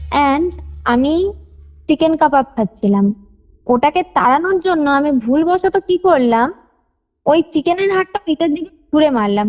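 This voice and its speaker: A woman's voice: high voice, darkish tone. A young woman telling a personal story in detail on a phone call, repeating phrases for emphasis. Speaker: caller sharing a personal ghost experience. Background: faint music.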